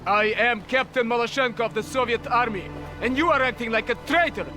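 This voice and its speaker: An actor playing a grieving Soviet army captain who speaks in an indignant, accusing way. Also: male voice, very high-pitched, fairly quick. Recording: game cutscene with loud music behind.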